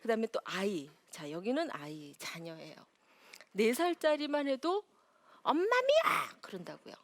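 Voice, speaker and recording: A woman giving a lively lecture to an audience as a counselor, acting out quotes and laughing often. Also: mid-range voice, normal speed, no room sound.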